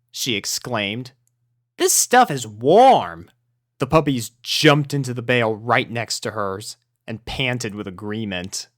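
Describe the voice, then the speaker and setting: Slow, gentle male storybook reader. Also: lowish voice, no room sound, studio quality. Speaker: fanfiction reader. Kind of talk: storybook narration.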